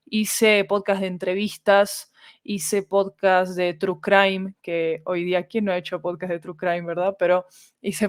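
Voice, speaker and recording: A woman speaks as an interview guest. Her voice is crisp and smooth, and she explains things in an articulate, conversational way. The sound is close and dry. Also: mid-range voice, dry recording. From Argentina. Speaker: guest, fiction podcast director.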